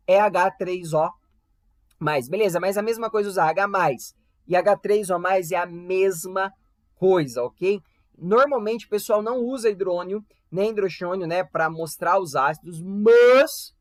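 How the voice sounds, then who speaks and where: A man's voice: high-pitched, no room sound. A young man with a Brazilian Portuguese accent teaching a casual online chemistry class, chatty and full of tag questions and playful asides. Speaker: volunteer chemistry tutor.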